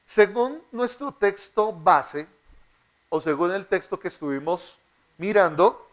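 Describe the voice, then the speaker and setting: A man teaches a Bible class in a fairly high voice. He speaks slowly and deliberately. He keeps the room involved by asking questions and having the class repeat key phrases after him. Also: animated. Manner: asks the class questions and has them repeat; slow, deliberate delivery.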